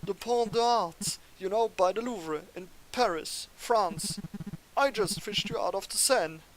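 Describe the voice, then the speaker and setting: A man's voice: high voice, takes it slowly, slight background noise, poor audio. A man voicing a chatty, folksy male bird fisherman in a story game.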